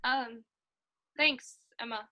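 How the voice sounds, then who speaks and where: A woman plays a young student writer who is earnest and unsure of herself. The voice is high and bright, with hesitant delivery in a comedy staged reading. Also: fairly even intonation, slow pace, full character voice. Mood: timidly hopeful.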